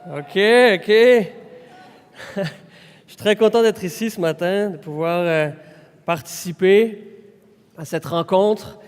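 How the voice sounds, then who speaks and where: Man, 30s, French accent, pastor, fairly high voice, long church-hall reverb. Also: darkish tone, smooth. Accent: French from France. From France. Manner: conversational and unhurried, with frequent pauses. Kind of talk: informal sermon introduction.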